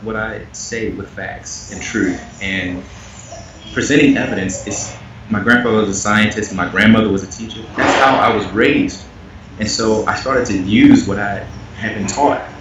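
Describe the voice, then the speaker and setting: Interview guest: earnest man with a low voice, recorded far off the mic in an echoey space. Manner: earnest, animated, rising in pitch when making a point. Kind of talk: candid conversational interview. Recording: echoey, muffled, noisy remote audio.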